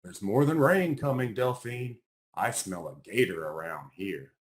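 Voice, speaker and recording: Man playing a blunt, animated storybook bear. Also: on the low side, measured pace. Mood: suspicious. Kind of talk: picture-book character voice.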